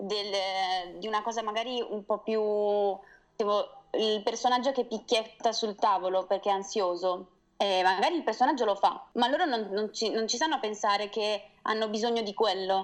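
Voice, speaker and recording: This woman talks at a moderate pace in a fairly high pitch, with ordinary pitch variation. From northern Italy, near the Swiss border. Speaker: film boom operator. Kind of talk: interview. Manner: halting, with many repetitions.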